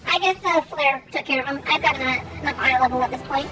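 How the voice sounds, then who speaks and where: A woman giving casual gameplay commentary and chatting with viewers in a rambling, halting way, her R's softened toward W. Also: sits high. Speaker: game streamer. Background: faint music.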